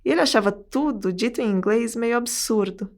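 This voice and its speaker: Woman, Brazilian Portuguese accent, podcast co-host, scripted narration, conversational storytelling, slightly high voice. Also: normal speed.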